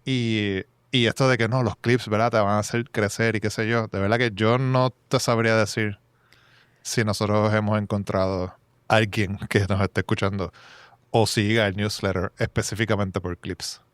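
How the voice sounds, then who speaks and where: A man co-hosting a podcast in a relaxed, conversational way. His comes through, and his voice is smooth and clear at a medium pitch. He often restarts his sentences while thinking aloud, recorded close and dry. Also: moderate pace, no echo. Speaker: podcast co-host. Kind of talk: casual conversational podcast chat.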